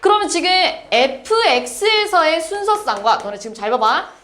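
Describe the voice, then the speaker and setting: A woman teaching a math class, lively and quick to check whether students follow. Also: sits high. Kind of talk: classroom lecture. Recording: echoey classroom.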